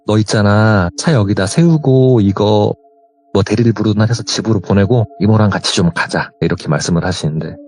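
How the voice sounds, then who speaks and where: Animated man retelling a story by phone. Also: lowish voice. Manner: animated retelling, quoting others in dialogue. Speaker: caller telling a true ghost story.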